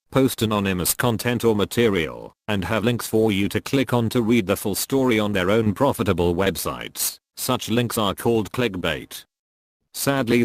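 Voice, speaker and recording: A man speaks through a disguised deep voice, low and dry with no room sound around it. He reads a scripted statement in a solemn, formal warning tone, like an anonymous spokesperson. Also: no room sound. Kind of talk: scripted statement read aloud.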